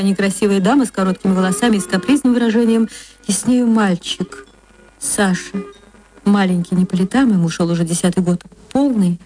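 A woman narrating a literary radio play in a measured, expressive way. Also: mid-range voice.

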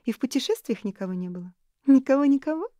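A woman reading an audiobook, voicing a lively, teasing young married woman who is insistent and hungry for gossip. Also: high-pitched, quick pace, dry recording, studio quality, pitched above the performer's own voice.

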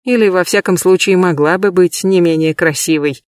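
A man giving a measured, lightly expressive first-person audiobook reading, recorded close in a booth. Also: high voice, no echo. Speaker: audiobook reader.

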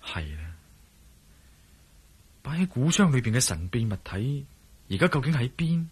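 Calm cantonese radio play detective, kinda husky, muses to himself. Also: male voice, medium pitch, heavily acted. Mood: musing. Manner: musing inner monologue, measured. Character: male adventurer-investigator, calm and curious. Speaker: lead character. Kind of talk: 1970s Cantonese radio drama acting.

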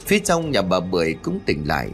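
A man narrating a spooky family story in an expressive, dramatic storytelling style. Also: deep voice, fast. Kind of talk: scripted narration. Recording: faint background music.

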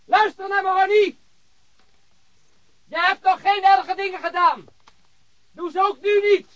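An actor playing an anxious, moralising police detective, exasperated and earnest, in a radio drama. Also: male voice, extremely high pitch, fairly even intonation, a little slow, fairly bright tone, highs cut off. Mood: shouted pleading. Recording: radio drama recording with background noise.

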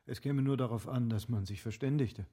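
An actor playing an evasive, lovestruck middle-aged gentleman husband in a literary radio drama, with formal, articulate phrasing. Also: mid-range voice, brisk, natural voice. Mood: evasive, reasoning.

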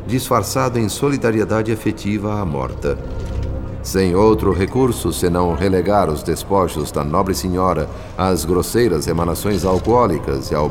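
A grave Brazilian male narrator of a radio drama. His deep voice carries a long reverb over faint music. The delivery is formal, literary and solemn. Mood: grave, disapproving.

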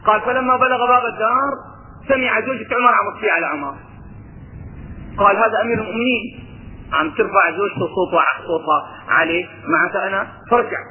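A man with a Levantine Arabic accent gives a religious lesson in a fairly high voice. He moves between casual dialect and recited verses and keeps asking rhetorical questions. The sound is thin and tinny, like a phone line. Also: fast talker. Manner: lively, mixes colloquial talk with recited verses, asks rhetorical questions. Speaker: religious teacher.

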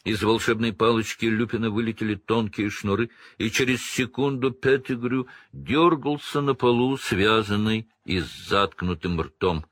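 Low husky audiobook narrator, man. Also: fairly even intonation, normal speed, few pauses, a bit bright, no room sound, clean studio sound.

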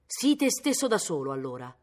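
A woman's voice: lowish voice, sing-song, fairly quick, a little mellow. A woman reading aloud, voicing a haughty, capricious young noblewoman who sounds cool and teasing. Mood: cold.

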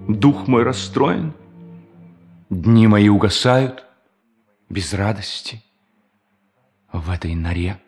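An actor playing a bitter, lonely bank thief in hiding, in a theatrical radio play monologue that moves between muttering and solemn declamation. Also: male voice, lowish voice, slow pace, long pauses, a little mellow, faint music behind. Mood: solemn declaiming. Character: brooding fugitive bank thief, bitter, lonely, self-tormenting man.

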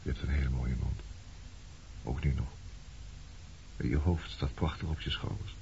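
A man's voice: rumbling low, steady tone, moderate pace, gravelly, dark tone. An actor playing a brooding former resistance man turned skipper, probing and bitter with an old lover in a radio play. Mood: wistful. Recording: dull, noisy old radio play recording.

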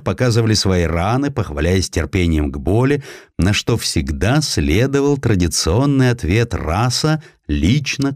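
A man reads a historical tale as scripted audiobook narration, with a dramatic, expressive storytelling delivery. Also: lowish voice, no room sound, clean studio sound.

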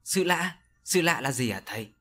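A man's voice: fairly high pitch, animated, normal speed, pushed and bright. A man voicing a guilt-ridden, frightened man who pleads and panics in an audio story. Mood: fearful. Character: guilty, terrified middle-aged man.

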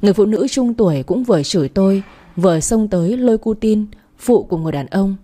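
A woman's voice: mid-range voice, expressive, quick pace, mellow. A woman reading a first-person story aloud, voicing the characters herself. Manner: dramatic reading that voices every character.

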